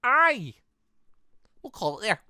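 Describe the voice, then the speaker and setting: A man giving chatty, excitable, rambling commentary as he plays a visual novel. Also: sits high, slow pace, clear, resonant tone, dry recording, studio quality. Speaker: gaming video host.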